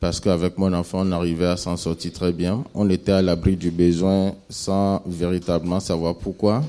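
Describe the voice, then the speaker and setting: Very deep and low in pitch, a man speaks with a dark, mellow tone and monotone, flat intonation at a moderate pace. The recording is very clean, with a silent background. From Benin. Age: 40s. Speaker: churchgoer. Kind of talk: testimony. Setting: church.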